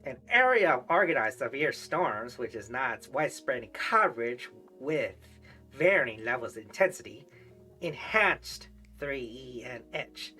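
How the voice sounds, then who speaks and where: A woman reading weather definitions aloud on a livestream, halting and correcting herself as she goes. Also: a bass voice, big pitch swings, pushed and bright, faint music behind. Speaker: streamer practicing reading.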